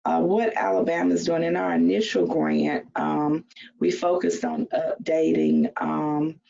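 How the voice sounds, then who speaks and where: Gravelly halting speaker with many ums. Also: mid-range voice, level tone, mellow, lo-fi sound. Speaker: state agency representative. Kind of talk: virtual meeting update.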